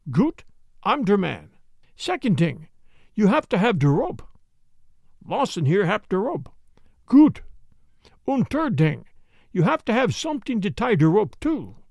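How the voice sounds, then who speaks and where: A man's voice: high voice, gravelly, a little mellow, dry recording, clean studio sound, full character voice. A man voicing a stubborn, blustering prisoner with a heavy put-on foreign accent.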